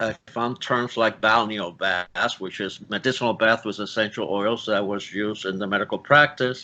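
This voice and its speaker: A man with a fairly low pitch and a bright, sharp tone talks at a moderate pace with fairly even intonation and hardly any pauses. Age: 70s. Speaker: essential oils formulator. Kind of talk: podcast interview.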